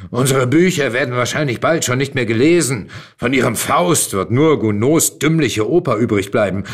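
A man's voice: mid-range voice, normal speed, slightly rough, voice pushed up, natural voice. A man voicing a bitter, argumentative dead writer in a literary reading, with a pointed, combative delivery. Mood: bitter, accusing.

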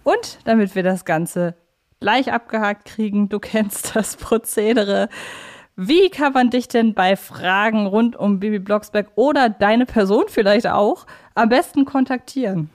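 A woman's voice: medium pitch, unhurried. A woman hosting a podcast interview in a chatty, conversational style. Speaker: podcast host.

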